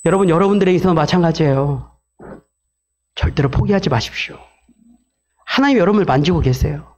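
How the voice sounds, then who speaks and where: A man pastor delivering a sermon in an animated, theatrical storytelling way, with sound effects and acted-out quotes. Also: on the high side, brisk.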